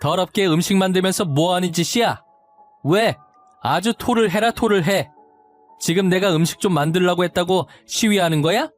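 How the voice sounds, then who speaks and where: A man voicing a harsh older mother-in-law who berates her pregnant daughter-in-law with shrill contempt. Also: moderate pace, soft background music, lightly acted. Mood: scolding.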